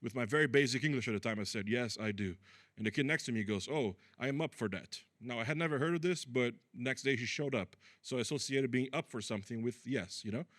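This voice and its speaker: Doing dry stand-up at a comedy club, a Brazilian-born man whose first language is Portuguese speaks fast at medium pitch, with no echo. His deadpan delivery pairs crude punchlines with frequent fillers.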